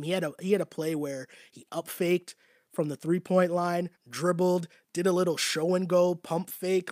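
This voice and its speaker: A man's voice: a little high, darkish tone, no room sound, studio quality. A man losing his voice, hosting a casual basketball talk show and answering his live chat in a chatty way, often tagging his points with "right?". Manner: conversational, repetitive, often asks "right?".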